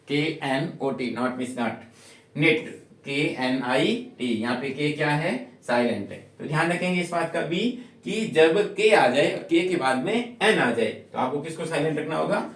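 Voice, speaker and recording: A man teaching English spelling rules to a class, repeating each rule and asking questions that he answers himself. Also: on the high side. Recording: echoey room, voice from far off.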